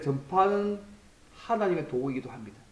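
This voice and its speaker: Amid audible room echo, a man talks at a high pitch and fairly quick pace, his pitch swinging very widely. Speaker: senior pastor. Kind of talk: sermon.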